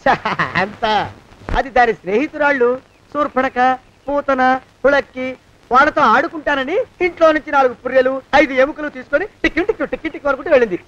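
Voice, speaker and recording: A man's voice: very high voice, fast, fairly bright tone. An actor playing a jittery comic male servant who wails in panic and rambles off silly jokes, on a dull old film soundtrack. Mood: mocking.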